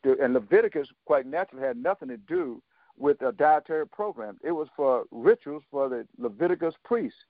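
A man in his seventies speaks as a radio guest over a tinny phone line with a dry sound. He talks haltingly, with many fillers and restarts, and retells conversations as dialogue. His pitch sits in the middle range for a man. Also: lively intonation, no echo. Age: 70s. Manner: storytelling, quoting others in dialogue. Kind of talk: interview on a talk radio show.

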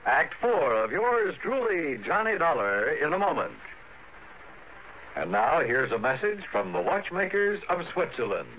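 A man's voice: fairly high pitch, very animated, unhurried. A man announcing a programme and its sponsor message in 1950s radio style. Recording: noisy, dull vintage radio broadcast.

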